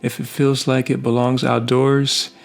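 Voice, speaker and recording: A man delivers scripted review narration at a medium pitch. His phrasing is short and measured. Music plays behind the voice. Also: little pitch movement, creaky. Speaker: product reviewer.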